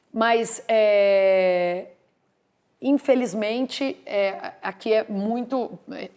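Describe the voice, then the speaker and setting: Her pitch is fairly high, and this woman speaks at a very slow pace with ordinary pitch variation. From Brazil, São Paulo. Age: 40s. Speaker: podcast host. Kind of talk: podcast interview.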